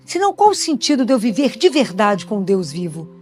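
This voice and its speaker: A woman's voice: medium pitch, big pitch swings, fairly quick, a little mellow, soft background music. A Brazilian woman preaching a sermon in a conversational way, asking many rhetorical questions. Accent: Brazilian Portuguese. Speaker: Catholic speaker and pediatrician. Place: church gathering after communion.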